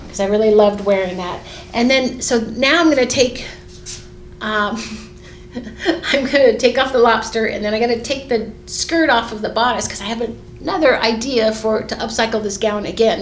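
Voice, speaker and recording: Middle-aged woman designer, casual rambling studio chat, slightly high voice, roomy echo. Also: slight background noise. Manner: chatty, rambling, many fillers and restarts. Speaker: fashion designer and sewing vlogger. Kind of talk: casual chat while sewing. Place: sewing studio indoors. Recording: echoey room with faint ambience.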